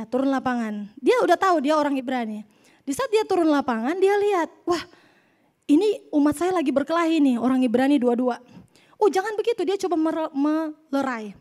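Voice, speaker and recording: A young woman preaching a sermon, telling the story lively and joking with the congregation. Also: high-pitched.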